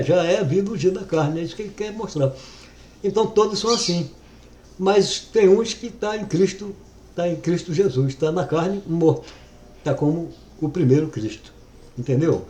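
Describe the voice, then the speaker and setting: A man's voice: a little high, dark tone. Chuckling man reading and explaining scripture. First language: Portuguese. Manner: reads verses aloud slowly, then comments with chuckles. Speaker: Bible commentator. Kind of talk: informal Bible reading and commentary. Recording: echoey room.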